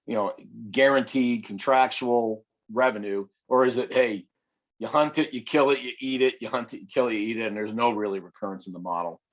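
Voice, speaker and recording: A man hosting a business podcast, asking questions in a friendly, easygoing way and answering with quick affirmations. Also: mid-range voice. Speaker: podcast host. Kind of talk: casual interview hosting.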